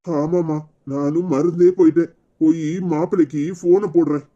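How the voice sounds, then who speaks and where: A man's voice: fairly high pitch, steady tone, moderate pace, warm tone, lightly acted. A man voicing a humble repentant kidnapper. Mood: pleading. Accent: Tirunelveli Tamil. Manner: humble and pleading. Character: remorseful poor kidnapper man. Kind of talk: cartoon voice acting. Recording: slightly dull lo-fi sound.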